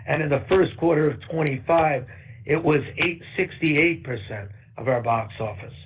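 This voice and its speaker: A man, a company executive, reading prepared earnings call remarks in a steady, upbeat way. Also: on the high side, breathy edge. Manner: steady, upbeat, read from a script. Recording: muffled conference call audio.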